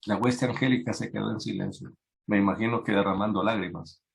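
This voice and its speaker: A man preaching a sermon to young people, acting out pleading voices and rising in pitch when he stresses a point. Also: steady tone, brisk, creaky. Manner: acts out biblical voices, rises in pitch when emphatic. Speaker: youth preacher.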